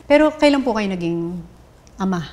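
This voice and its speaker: A woman hosting a talk show, asking gentle, probing questions. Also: mid-range voice, expressive, normal speed. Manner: gentle, probing, soft affirming hums. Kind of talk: interview questions.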